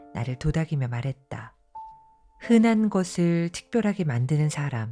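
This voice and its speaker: Music plays in the background as a woman talks. Her tone is soothing and her pace fairly slow. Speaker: audiobook narrator. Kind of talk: audiobook reading of essays. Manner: soft, soothing.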